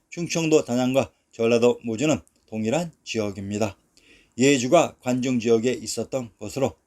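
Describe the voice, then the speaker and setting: Male narrator, middle pitch, scripted history read, slow and deliberate. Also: darkish tone. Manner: slow, measured, reads long lists of place names.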